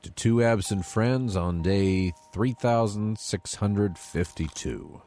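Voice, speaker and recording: An actor playing a stoic, nostalgic stranded military man in an audio drama, measured and reflective. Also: fairly low pitch, warm tone. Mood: nostalgic, steady. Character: stoic, nostalgic male military survivor stranded on a desert planet.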